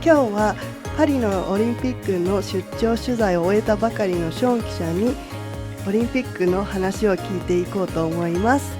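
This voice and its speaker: Female host in her thirties, polite and quick, with a music bed under her. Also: mid-range voice. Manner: polite, scripted introductions. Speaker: podcast host and journalist. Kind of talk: hosting a podcast.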